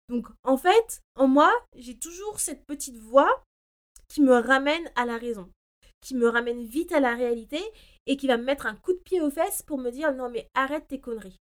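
A woman hosting a personal development show, talking informally and emphatically to listeners, swinging between loud and soft and dropping English phrases into her speech. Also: sits high. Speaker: personal development podcast host. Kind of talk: casual motivational monologue, informal address to listeners.

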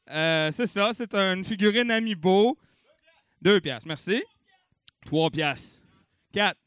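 A man's voice: high voice, dry recording, studio quality. A young Québécois man hosting a comedy-night auction, bellowing bids and cracking jokes between them. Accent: Québécois French. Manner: bouncy and animated, bellowing bids, jokey asides. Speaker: auctioneer and comedy show host.

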